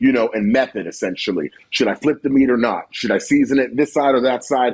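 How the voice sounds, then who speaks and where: A man's animated tone at a very fast pace, with ordinary pitch variation. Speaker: barbecue content creator. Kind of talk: casual podcast chat.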